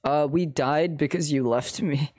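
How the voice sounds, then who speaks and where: A man's voice: on the high side, measured pace, darkish tone. A young man streaming a game, chatting casually with a friend in a loose, joking, profane way. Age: teens. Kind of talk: casual gaming chat.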